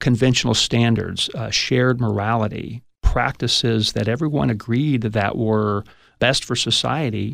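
A man speaks at a fairly slow pace. His medium-pitched voice carries vocal fry. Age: 50s. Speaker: pastor and author. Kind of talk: interview.

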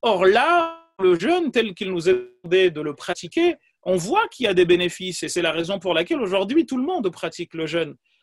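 Recorded with a dry, close sound and no echo, a high-pitched man speaks fairly quickly with ordinary pitch variation. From Comoros. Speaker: Islamic teacher. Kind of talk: lecture. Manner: halting.

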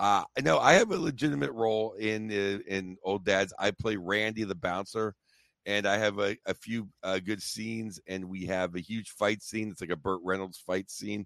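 An ordinary speaking voice with an American accent moves at a moderate pace with fairly even intonation, in a dry, close sound with no echo and a quiet background. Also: man, fairly low pitch for a man. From Pittsburgh, Pennsylvania. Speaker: comedian. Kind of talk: casual chat.

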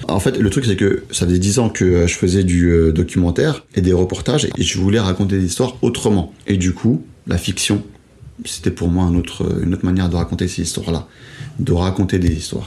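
A man speaks at a fairly quick pace with a very deep, low pitch. His loudness stays very even, and his pitch varies in an ordinary way. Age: 30s. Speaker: documentary filmmaker. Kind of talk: interview. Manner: casual slangy.

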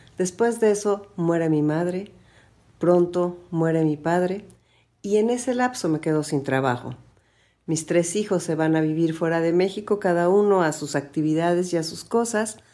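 A woman speaks with a fairly low pitch and a dark, mellow tone. Her pace is moderate. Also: ordinary pitch variation, very clean recording, silent background. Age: 60s. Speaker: radio broadcaster. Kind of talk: testimony.

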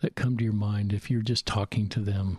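Against a quiet background, a man with a fairly low pitch sounds somewhat breathy, captured dry and close with no echo. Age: 50s. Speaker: podcast host. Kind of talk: interview. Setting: in a home, across a table.

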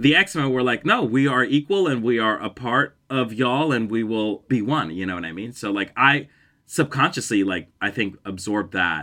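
Over a quiet background, a man with a New York accent talks with lively intonation in a bright, sharp tone, with hardly any pauses. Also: medium pitch for a man, moderate pace. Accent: New York American. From Colombia (Palmira), raised from 12 in Queens, New York. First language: Spanish. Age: 30s. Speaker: actor. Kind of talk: interview.

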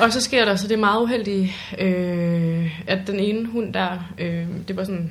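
Noticeable background noise runs under the voice, and some room echo can be heard. The intonation stays fairly even. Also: woman. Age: 20s. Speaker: comedian. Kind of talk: casual chat.

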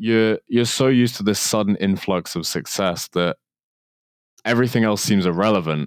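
In a very clean recording with a silent background and a dry, close sound with no echo, a man uses a plain, everyday voice, fairly low in pitch, at a moderate pace with ordinary pitch variation. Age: 20s. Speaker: music producer and DJ. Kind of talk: casual interview.

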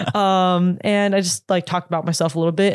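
Recorded very cleanly against a silent background, a speaker with a Californian accent talks fairly quickly with fairly even intonation. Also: woman. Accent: Californian American. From Los Angeles, San Fernando Valley. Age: 20s. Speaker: K-pop singer. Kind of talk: casual interview.

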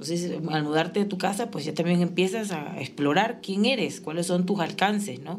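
In a room with audible echo and noticeable background noise, a woman with a fairly low pitch speaks at a moderate pace, with ordinary pitch variation and hardly any pauses. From Venezuela. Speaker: yoga teacher and studio founder. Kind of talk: casual interview.

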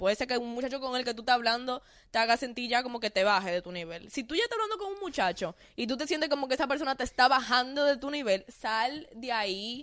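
A woman with a Dominican accent, high-pitched and lively in intonation, at a very fast pace. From Dominican Republic. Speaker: TikTok creator. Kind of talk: casual chat.

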